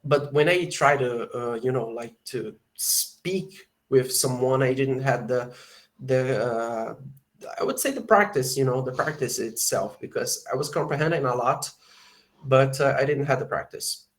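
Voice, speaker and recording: A Brazilian man with a Brazilian Portuguese accent, a student on a video call who hesitates and fills pauses while he hunts for words. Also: medium pitch. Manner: hesitant, many fillers while searching for words. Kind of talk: casual conversation lesson.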